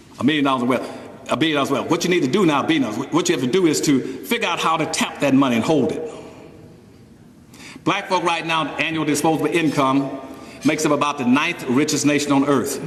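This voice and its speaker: A man talks at a very fast pace in a fairly high pitch, his pitch variation ordinary. Noticeable background noise and audible room echo fill the recording. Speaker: economist and public speaker. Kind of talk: speech. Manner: animated.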